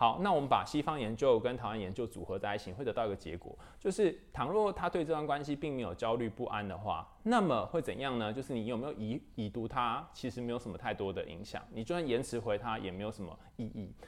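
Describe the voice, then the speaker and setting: Lively in intonation, a man at medium pitch speaks at a very fast pace. The recording is very clean, with a silent background. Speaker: podcast host and psychology researcher. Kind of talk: casual talk monologue on relationships.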